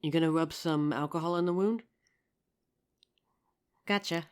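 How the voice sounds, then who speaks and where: A woman playing an injured young survivor of a zombie apocalypse in a roleplay audio drama, with halting, emotive delivery. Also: low-pitched, darkish tone, clean tone. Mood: relieved, fond.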